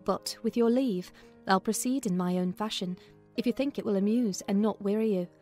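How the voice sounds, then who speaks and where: A woman narrates a classic novel as a housekeeper, in a measured storytelling style. Her voice is mellow and of medium pitch. Soft music plays behind her. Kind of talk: dramatized audiobook narration, in character as a housekeeper. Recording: music under the voice.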